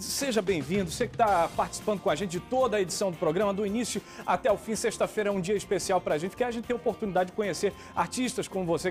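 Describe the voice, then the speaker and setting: A man hosting a live TV talk show, welcoming guests in a brisk, upbeat way. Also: high-pitched. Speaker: TV host.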